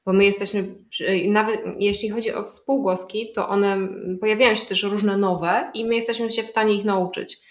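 A woman's voice: medium pitch, steady tone, moderate pace, hardly any pauses, roomy sound. A woman guest in a casual interview who explains language learning at length, thinking aloud with fillers and restarts. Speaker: polyglot guest.

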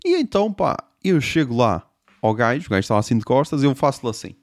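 A young man telling a comic story, animated, swearing and making sound effects. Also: mid-range voice, fast talker, slight background noise. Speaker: podcast host.

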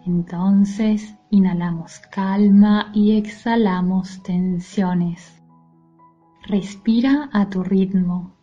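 A woman leading a guided mindfulness meditation in a soothing, gentle, soft-spoken manner. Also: mid-range voice, extremely slow, highs cut off. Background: music.

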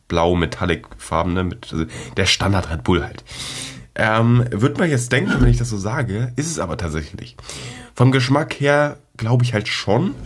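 Teen boy, podcast host, somewhat low voice, sick with a cold, coughing, rambling slangy chat, close mic. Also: slightly rough. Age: teens. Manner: rambling, slangy, many fillers. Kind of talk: casual solo podcast chat.

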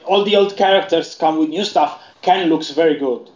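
A man with a slightly raised voice, chatting loosely and often restarting his sentences. His voice carries a clear echo from the room, and the audio sounds dull and lo-fi. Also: fairly high pitch, normal speed, a little mellow. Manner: rambling, with frequent restarts. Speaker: podcast co-host. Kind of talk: casual gaming chat.

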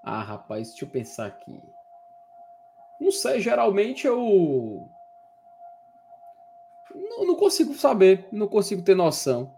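A tired man jokes and teases through a casual chat. His voice sits high and swings widely in pitch. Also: wildly swooping pitch, measured pace, gravelly, long pauses, mellow, soft background music. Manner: joking, teasing banter. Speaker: podcast co-host.

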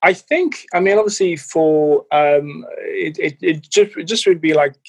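A man's voice: fairly high pitch, expressive, unhurried, gravelly, dry recording. A man in his forties with a mild, anglicized South African accent, a fitness and mental health coach answering interview questions with lots of ums and restarts. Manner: hesitant, many fillers and restarts.

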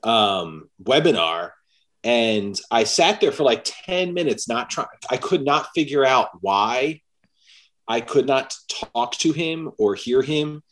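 A man of middle pitch chats as a podcast guest over a remote call. He tells stories in an animated way, laughs often and fills his talk with "like.". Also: slow pace. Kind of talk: casual chat.

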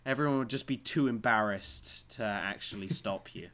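A man's voice: fairly low pitch, normal speed, a bit bright. A man co-hosting a casual news chat, joking in a dry way with plenty of ums and uhs. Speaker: podcast co-host.

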